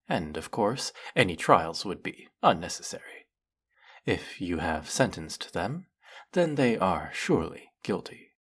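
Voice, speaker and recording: Man voicing a deep, husky, fawning demon servant. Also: fairly bright tone, full character voice. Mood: devoted, coldly zealous. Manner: over-the-top reverent, formal, dramatic. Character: fawning, lovestruck, fanatical male demon servant. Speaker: voice actor. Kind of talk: theatrical fantasy audio roleplay monologue.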